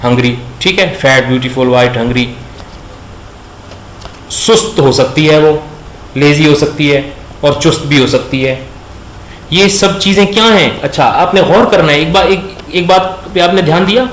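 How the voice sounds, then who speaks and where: A man teaching a grammar lesson. He asks questions and slowly drags out words so the class can repeat them. His voice sits a little high and rings in an echoey room. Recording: echoey room with faint background noise.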